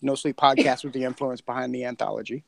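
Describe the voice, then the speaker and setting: A man who co-created a podcast, chatting casually in an informal, somewhat halting way. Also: mid-range voice, steady tone, gravelly, no room sound. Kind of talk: casual chat.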